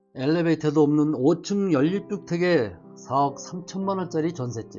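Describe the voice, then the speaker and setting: Music plays in the background as the voice moves at a moderate pace with lively intonation. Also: man, fairly high pitch for a man. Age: 70s. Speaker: political commentary YouTuber. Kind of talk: emotional first-person political commentary.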